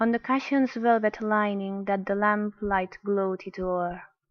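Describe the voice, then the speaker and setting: A woman with a non-native accent speaks at a fairly high pitch. Her pace is fairly slow and her intonation fairly even. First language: non-native English speaker. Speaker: amateur reader. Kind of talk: poetry reading.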